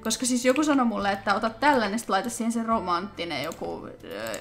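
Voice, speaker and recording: A young woman with a Finnish accent, chatting excitedly to viewers while playing a life-sim game. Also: mid-range voice, soft background music. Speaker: let's play host. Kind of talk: casual gameplay commentary.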